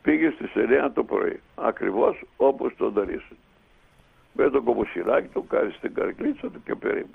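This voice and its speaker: A man telling a long anecdote as a radio guest, in a lively, unhurried way. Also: mid-range voice. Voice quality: gravelly and husky. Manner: lively, animated retelling with many pauses. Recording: tinny phone line on radio.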